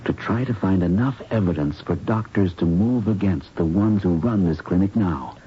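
An actor playing an earnest, protective investigator with a wry, grave manner in a 1970s radio drama. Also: male voice, deep voice, normal speed, natural voice. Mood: grim, wry. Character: earnest protective male investigator doctor in love. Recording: muffled noisy old radio recording.

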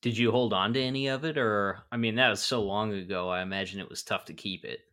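A man's voice: fairly low pitch, fairly even intonation, fast, a bit bright. A man co-hosting a podcast, asking brief questions and making joking asides in casual chat.

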